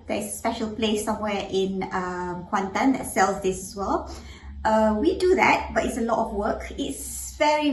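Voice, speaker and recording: A woman's voice: medium pitch, reverberant, recorded from a distance, slight background noise, poor audio. A woman chef from Pahang, explaining dishes in a friendly way. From Pahang, Malaysia.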